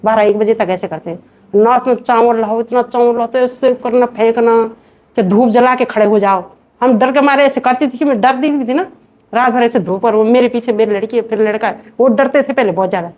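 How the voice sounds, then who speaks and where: A rapid-talking woman in her forties, from Himachal Pradesh, recounts family events and slips into the voices of the people she quotes. Her voice sits a little high, and the recording sounds dull and lo-fi. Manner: animated storyteller who acts out family quotes. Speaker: guest sharing a personal story. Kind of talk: casual spoken testimony.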